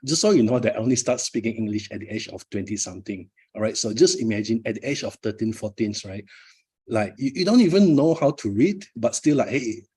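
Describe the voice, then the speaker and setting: A man's voice: fairly low pitch, a little fast, a little mellow, slightly rough. A middle-aged Malaysian man, a Malay native speaker, giving a live motivational talk at his book launch with frequent fillers and repeated words.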